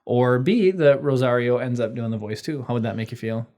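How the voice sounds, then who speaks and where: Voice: medium pitch, brisk, warm tone. A podcast co-host chatting casually, telling stories with enthusiasm. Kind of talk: casual chat.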